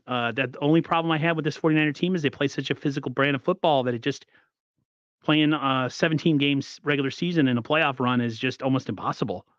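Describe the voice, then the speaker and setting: A man's voice: mid-range voice, fairly bright tone, no room sound. A man co-hosting a casual sports podcast, with a froggy voice, chatting and reading out viewer comments. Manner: talkative, reads viewer comments aloud. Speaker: podcast co-host. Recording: slightly dull, dry audio.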